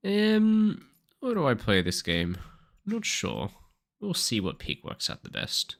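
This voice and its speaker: A man's voice: on the high side, wildly swooping pitch, takes it slowly, gravelly. A young man with an Australian accent chatting casually with his stream chat while explaining his game picks as a coach. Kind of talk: live game-stream commentary.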